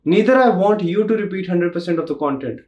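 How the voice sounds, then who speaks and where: A man in his thirties with an Indian accent, tutoring test takers in a steady, reassuring way that repeats the key points, recorded in a small home studio. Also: sits high, fast, dull audio. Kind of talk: instructional talk to camera.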